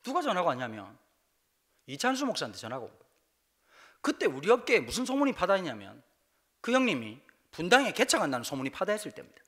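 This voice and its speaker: High, lively Busan-accented man preaching. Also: quick pace, long pauses, husky. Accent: Gyeongsang (Busan). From Busan, South Korea. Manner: lively, jokey, acts out dialogue in dialect. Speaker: guest pastor preaching a revival service. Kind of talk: humorous storytelling sermon. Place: church sanctuary.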